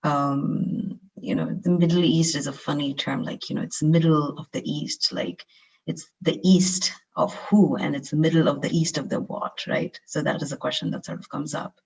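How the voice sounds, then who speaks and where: Chatty woman from India, gravelly voice. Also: low-pitched, fairly even intonation, moderate pace, darkish tone, dull audio. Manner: conversational, frequent fillers and restarts. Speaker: guest lecturer. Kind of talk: webinar lecture. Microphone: video call.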